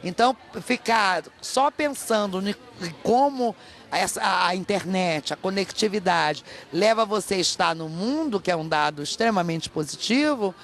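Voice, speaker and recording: A woman's voice: medium pitch, lively intonation, moderate pace. A middle-aged Brazilian woman, an academic guest giving emphatic, explanatory interview answers in Portuguese with rhetorical check-ins. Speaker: academic guest, professor and author. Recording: clear ambient background noise.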